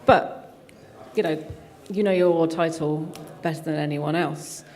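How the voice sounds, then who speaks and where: A woman's voice: low voice, steady tone, a little slow, a little mellow. A woman speaking on a conference panel in a conversational way, with frequent you-knows. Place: conference stage. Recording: reverberant hall.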